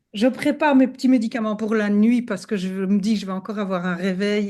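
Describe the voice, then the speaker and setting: Woman with an unremarkable speaking voice, medium pitch and ordinary pitch variation, at a moderate pace against a quiet background. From Belgium. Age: 60s. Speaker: psychologist. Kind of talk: testimonial interview answer.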